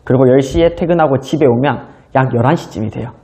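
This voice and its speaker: A man's voice: medium pitch, quick pace, creaky, warm tone. A man in his thirties giving a motivational business lecture, telling his own story in a conversational way. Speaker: business seminar speaker.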